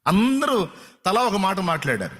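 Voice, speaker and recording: A man's voice: high voice, wildly swooping pitch, normal speed, pushed and bright. A male pastor preaching a sermon in a colloquial, repetitive style, firing rhetorical questions at his congregation.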